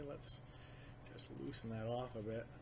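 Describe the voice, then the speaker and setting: With light background noise behind him, a man speaks at a moderate pace in a somewhat breathy voice. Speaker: game developer. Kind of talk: dev diary video. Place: office.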